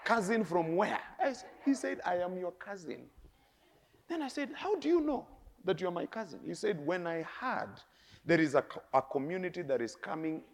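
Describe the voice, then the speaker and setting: Kenyan male preacher, middle-aged, fairly high voice, storytelling sermon, shifts quiet to loud. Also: normal speed. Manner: animated, laughing, swinging between quiet and loud.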